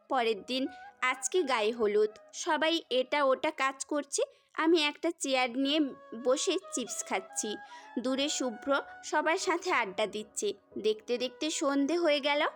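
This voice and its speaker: A woman's voice: high voice, a bit bright. A young woman narrating a romantic story in the first person, as a scripted audio tale.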